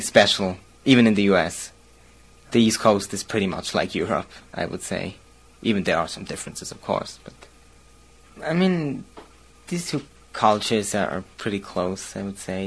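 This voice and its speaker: A young man from Basel with a Swiss German accent, whose first language is German. He reads a short passage and then talks casually, hesitating often and chuckling between phrases. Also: fairly low pitch. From Basel, Switzerland. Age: young adult. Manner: hesitant, frequent pauses and fillers. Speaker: university student.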